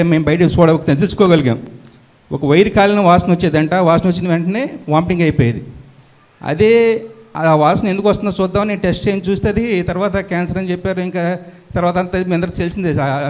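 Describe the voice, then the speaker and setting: A middle-aged man, giving an earnest, halting, emotional church testimony. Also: high voice, a little mellow.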